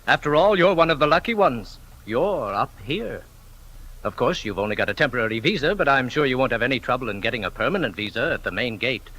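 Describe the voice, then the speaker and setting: A young man playing a polite, gentle immigration clerk in a 1950s radio play. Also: medium pitch, animated, quick pace, low-quality recording. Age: young adult.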